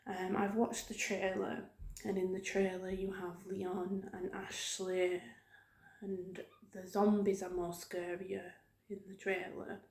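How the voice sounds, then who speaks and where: A woman talks softly in a casual ASMR ramble, with an even, fairly flat pitch. She wanders from thought to thought in a hesitant, informal way, like a video host chatting to viewers. The room adds a clear echo around her voice. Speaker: YouTube host. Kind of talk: soft-spoken ASMR ramble. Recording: roomy, echoing room sound.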